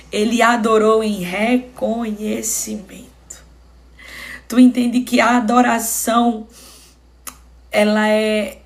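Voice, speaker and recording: A woman preaching a Bible study sermon, emphatic and repeating phrases for stress. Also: medium pitch. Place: home live stream.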